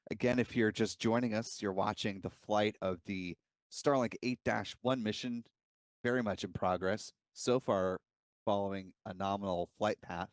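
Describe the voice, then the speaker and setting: Man, live launch commentary, very low voice, dry sound, explanatory. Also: steady tone, moderate pace, no room sound.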